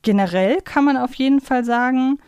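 A woman's voice: sits high, normal speed, a little mellow, clear, resonant tone, no room sound, studio quality. A woman talking casually and analytically as a podcast co-host, explaining in loose, chained sentences. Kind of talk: casual conversational fan podcast talk.

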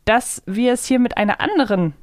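A woman's voice: fairly high pitch, expressive, a little fast, no room sound, clean studio sound. A woman hosting a podcast in a conversational way. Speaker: podcast host.

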